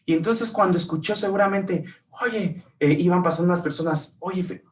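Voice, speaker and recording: Preacher, heard from afar. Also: male voice, high-pitched, a little fast, far from the mic. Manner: storytelling, asks the listeners questions. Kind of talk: sermon. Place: church.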